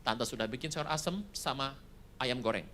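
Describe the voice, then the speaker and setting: A man's voice: medium pitch, normal speed, bright, forceful tone, slight background noise, voice pushed down, natural voice. A preacher voicing a welcoming middle-aged mother inviting her daughter's friend to dinner.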